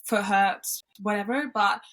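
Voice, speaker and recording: A woman's voice: mid-range voice, measured pace, fairly bright tone. A young woman from Norway, cheerful and upbeat, chatting casually as an interview guest, with frequent yeahs and ums.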